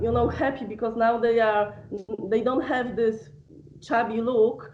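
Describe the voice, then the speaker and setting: With a Polish accent, a woman speaks at a fairly high pitch, and room echo is audible. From Poland. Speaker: carnivore diet advocate. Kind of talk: debate. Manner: halting.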